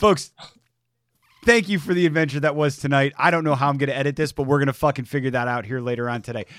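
In an animated tone, a man with a fairly high pitch and ordinary pitch variation speaks at a very fast pace. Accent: American. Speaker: podcast host. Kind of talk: casual chat. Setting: video call.

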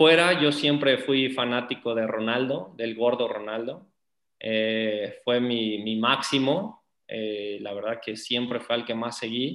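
Very slowly, a man talks in a medium pitch. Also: ordinary pitch variation. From Mexico, San Luis Potosí. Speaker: retired professional footballer. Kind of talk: casual interview.

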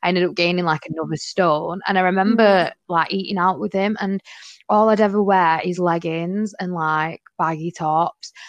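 Fairly even intonation in a Mancunian accent, at a moderate pace, with a dry, close sound free of echo against a quiet background. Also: woman, fairly low pitch for a woman. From northern England, Manchester. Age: 20s. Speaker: podcast co-host. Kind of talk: casual chat.

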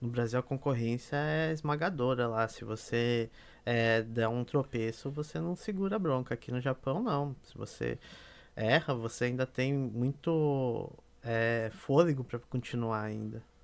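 On a very clean recording with a silent background, a man talks at a fairly slow pace in an ordinary speaking voice. His pitch is medium, with ordinary pitch variation. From Brazil, Curitiba (born Mogi das Cruzes, São Paulo). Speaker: restaurant consultant and chef. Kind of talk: casual podcast interview.

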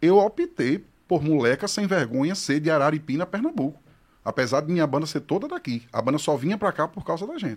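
On a very clean recording with a silent background, a man with an ordinary speaking voice talks at a fairly quick pace, fairly high in pitch with lively intonation. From Aracaju, Sergipe, Brazil. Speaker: singer in a forró duo. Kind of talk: casual podcast interview.

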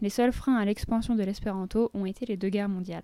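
Speaking at a fairly quick pace, a woman uses a medium pitch and a dark, mellow tone. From France. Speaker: civic service volunteer, podcast co-host. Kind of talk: scripted podcast narration.

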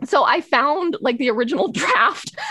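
In a Californian accent, a woman speaks at a moderate pace with a high pitch and very wide pitch swings. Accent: Californian American. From Los Angeles. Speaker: spoken word poet and author. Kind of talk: interview.

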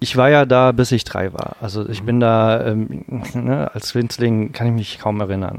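At a moderate pace and medium pitch, a man speaks with ordinary pitch variation in an unremarkable speaking voice. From Germany, Syrian-Aramaic family. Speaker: podcast guest. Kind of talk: casual chat.

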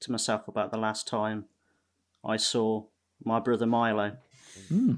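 A normal speaking voice from a man at medium pitch and moderate pace, on a very clean recording with a silent background. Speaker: role-playing game player. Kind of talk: casual chat.

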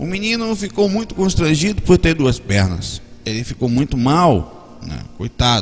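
Music plays behind a man's fairly high voice. He speaks at a fairly slow pace with very wide pitch swings. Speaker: spiritual teacher answering listener questions on astral projection. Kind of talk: casual Q&A monologue. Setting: filming on camera at home in the early morning. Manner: relaxed, conversational.

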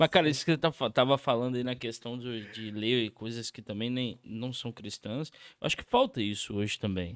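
A man speaks at a moderate pace in an ordinary speaking voice, medium in pitch with ordinary pitch variation and hardly any pauses. His loudness swings widely, and the very clean recording has a silent background and a dry, close sound with no echo. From Itaperuna, Rio de Janeiro state, Brazil. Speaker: podcast host. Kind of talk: casual chat.

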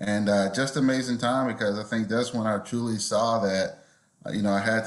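Against noticeable background noise, a man with an Alabama accent talks at a fairly quick pace with fairly even intonation. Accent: Southern US (Alabama). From US South, North Alabama. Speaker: business owner and retired navy officer. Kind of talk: casual interview.

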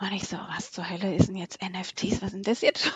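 Over noticeable background noise, a woman speaks at a fairly quick pace. Her medium-pitched voice shows ordinary pitch variation. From southwest Germany (Freiburg). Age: 40s. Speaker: entrepreneur. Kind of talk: casual interview.

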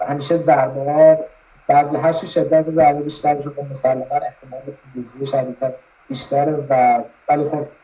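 A man's fairly high voice, monotone and flat, at a moderate pace broken by long, frequent pauses. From Iran (Tehran). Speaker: physician. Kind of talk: radio interview.

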